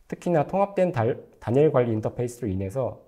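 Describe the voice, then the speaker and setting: Male technical lecturer, mid-pitched with a warm, relaxed tone, formal prepared explanatory delivery. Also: quick pace. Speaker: technical lecturer, company engineer.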